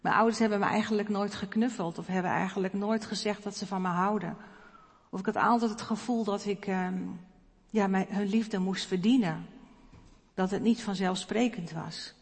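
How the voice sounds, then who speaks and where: A woman preacher speaks in a reflective, personal way and pauses now and then with soft fillers. Her mid-pitched voice has a gravelly texture, and a long reverb fills the church around her. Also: steady tone. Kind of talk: sermon.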